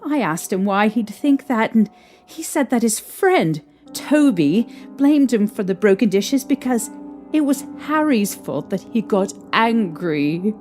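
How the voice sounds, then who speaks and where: A woman acts out a young mother telling of eerie nights in a new house, her fairly high voice warm and mellow. She pauses and restarts as she remembers. Faint music plays beneath her, as in a fan-made audio drama. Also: sing-song. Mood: troubled. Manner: hesitant, halting recollection with restarts. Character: young English mother shaken by haunting. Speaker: interviewee recounting events.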